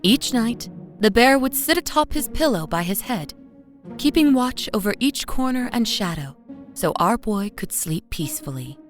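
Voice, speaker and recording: A woman playing a weary, devoted young mother, telling a first-person horror story in an intimate, expressive way. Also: fairly high pitch, normal speed, lightly acted. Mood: tender, uneasy. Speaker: narrator of a horror audio drama. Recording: voice over music bed. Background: music.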